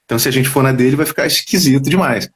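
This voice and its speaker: A man, a voice actor telling stories in a casual interview over a video call. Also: medium pitch. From Brazil. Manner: quick, animated storyteller, drops into quoted voices. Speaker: voice actor guest. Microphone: headphones on a video call.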